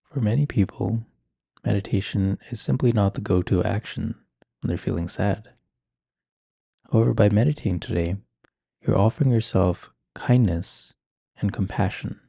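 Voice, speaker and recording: A man leading a guided meditation in a calm, gentle, measured manner. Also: lowish voice, vocal fry, husky, no echo, studio quality. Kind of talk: guided meditation, ASMR-like instruction.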